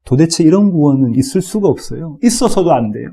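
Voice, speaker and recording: Male pastor, expository sermon, dramatic scripture voices, rather high and very mellow. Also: lively intonation, fast, slightly rough. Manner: preaching, acts out voices of biblical figures with rising intensity. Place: church.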